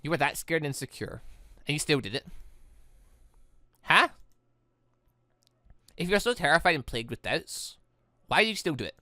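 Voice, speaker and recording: A man voicing a calm, devoted young gentleman from a visual novel, gentle, earnest and reassuring. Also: on the high side, moderate pace, long pauses, dry recording. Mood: gentle, coaxing.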